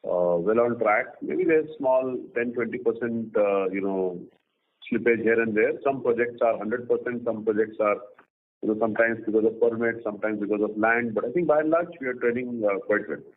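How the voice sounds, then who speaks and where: A man with an Indian accent speaking as a company executive, answering questions on an earnings call in a halting way with pauses mid-sentence. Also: on the low side. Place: conference call line. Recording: noisy phone line with clicks.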